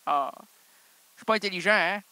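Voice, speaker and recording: Man, Québécois accent, radio host, high voice, bright tone, playful rambling comedy. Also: brisk, no room sound, low-quality recording. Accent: Québécois French. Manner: playful, rambling, answers himself in asides. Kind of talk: improvised comic monologue.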